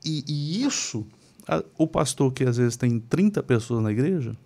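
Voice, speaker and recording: Pastor guest with a gravelly voice, tells stories animatedly. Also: male voice, mid-range voice, normal speed. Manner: animated anecdote teller. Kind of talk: casual chat, storytelling.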